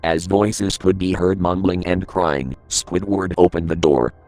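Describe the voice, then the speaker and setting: A narrator with a very low voice reads a creepypasta horror story aloud, a little slowly, with faint music in the background. His tone stays steady and grave throughout, letting the dark events land plainly.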